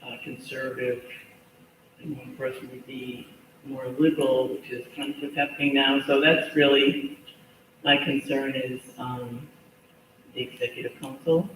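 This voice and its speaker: A man with a bright, forward voice speaks slowly and hesitantly during public comment. He trails off as he finishes his point. He sounds far from the mic in a very echoey room with faint background noise. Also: mid-range voice, level tone. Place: large echoey hearing room.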